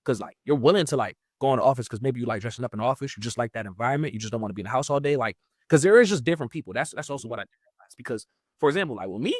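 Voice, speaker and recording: Young man in his twenties, loose and chatty, filler-heavy delivery, middle pitch, dead-dry recording. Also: racing, breathy edge, no room sound. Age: 20s. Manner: rambling, heavy use of "like", lively pitch jumps. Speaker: guest. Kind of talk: casual interview chat.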